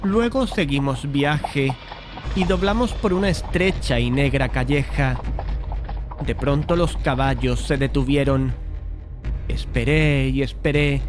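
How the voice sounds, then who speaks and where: A male actor voices a brooding painter recounting a macabre tale for a dramatized horror audiobook. His voice sits a little high for a man. He tells it in a measured, deliberate manner, with music clearly playing behind him. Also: close to an everyday voice.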